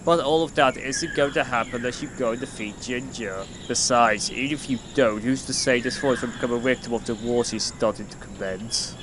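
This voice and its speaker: A man's voice: medium pitch, fairly quick, few pauses, background noise, natural voice. A man playing a level-headed, encouraging flying hero with a matter-of-fact manner in an amateur audio drama. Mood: reassuring.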